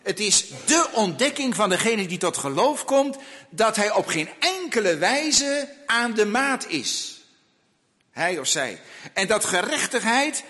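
A man preaching a sermon slowly and emphatically, asking rhetorical questions of his listeners. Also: high voice, sharp tone, in a large hall.

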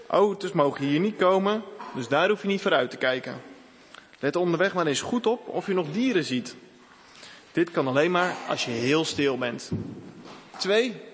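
A man's voice: a little high, a bit bright, in a large hall, slight background noise. A man voicing a cheerful forest ranger father who explains the game's rules to children in a read-aloud storybook.

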